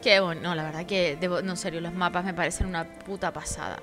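A tired woman chats through her gameplay on a close mic. She swears freely and turns fights into dramatic cries for help, while game music plays clearly behind her. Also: lowish voice, fairly even intonation, quick pace. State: tired, sleepy. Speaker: gameplay streamer. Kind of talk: casual gameplay commentary.

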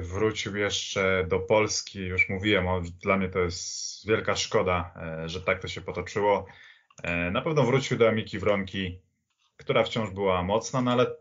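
A man's voice: lowish voice, muffled recording. A man giving casual, opinionated football commentary as a podcast panelist, repeating himself for emphasis.

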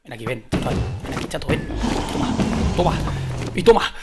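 A man with a Spain Spanish accent gives excited gameplay commentary, swinging from muttering to loud shouts. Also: medium pitch, fairly quick, over music. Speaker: gaming video creator.

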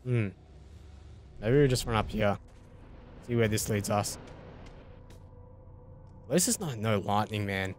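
A man's voice: on the low side, measured pace, pauses often, slight background noise. A young Australian man giving casual let's play commentary, thinking aloud and swearing mildly as he plays. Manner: casual, muttering thoughts aloud with mild swearing. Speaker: gaming YouTuber.

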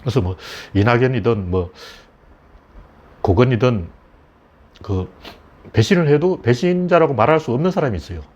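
A middle-aged man talks through politics in a blunt, scornful way, with mocking asides. His voice sits at an ordinary pitch for a man. The recording is dull and lo-fi, as if the highs are cut off. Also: lively intonation, normal speed, long pauses, darkish tone, slightly rough. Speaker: political commentator. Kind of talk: casual spoken commentary.

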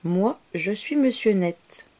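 A prim, fussy man who lives for neatness, speaking briskly with a lively, bouncing lilt, as a woman reads him aloud. His voice is soft and mellow, with a storybook primness. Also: mid-range voice.

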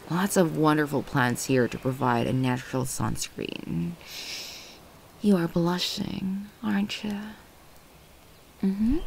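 A woman acts out an obsessive yandere ex-girlfriend for an ASMR roleplay. She speaks very slowly in a lowish female voice, condescending and possessive. Her temper is volatile and her words linger teasingly. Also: a little hiss or hum, heavily acted. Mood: teasing, intimate. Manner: condescending, teasing, lingering on words, often breathy half-whispers. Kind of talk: ASMR audio roleplay addressed to the listener.

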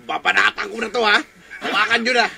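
A man's voice: high-pitched, fairly even intonation, fast talker, creaky, very noisy. A man with a Filipino accent working as a radio DJ, bantering and greeting listeners in a giggly, playful way. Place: small radio studio. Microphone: studio boom mic with headphones.

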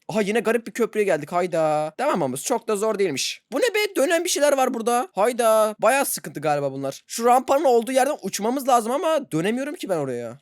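A man hosting a gaming channel, giving excitable let's-play commentary, laughing often and yelping when surprised. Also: high-pitched, dry recording, clean studio sound.

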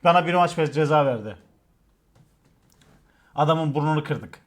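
A man tells crude football stories to his stream chat in a casual, animated way. He swears and acts out the shouting, speaking at a normal speed in a slightly high voice.

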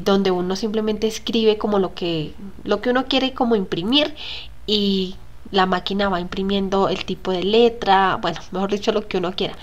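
A young woman, talking viewers through her kitchen organizing in a casual, chatty voice-over full of asides and fillers. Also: mid-range voice. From Colombia. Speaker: home vlogger.

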